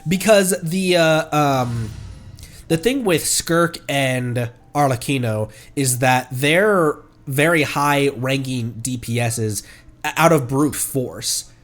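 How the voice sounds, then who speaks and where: A man with a stuffed-up nose giving casual, rambling commentary as a livestreamer, often halting and correcting himself. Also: medium pitch, a bit bright, faint music behind. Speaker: livestreamer, VTuber. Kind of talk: casual game stream commentary.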